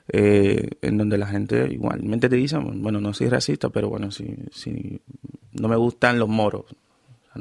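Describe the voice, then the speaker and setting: A man with a gravelly, creaky voice talks in a dry radio studio. He answers thoughtfully, pausing and restarting phrases as he works through his point. His pitch sits in a middle range. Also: dry recording. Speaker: radio guest. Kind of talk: casual radio interview answer.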